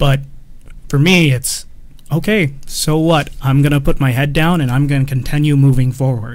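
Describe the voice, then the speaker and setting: A man with an American accent has a plain, everyday voice at a fairly high pitch. He talks at a moderate pace with fairly even intonation and very even loudness. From Arizona, US. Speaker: Filipino American panel guest. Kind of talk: casual panel discussion.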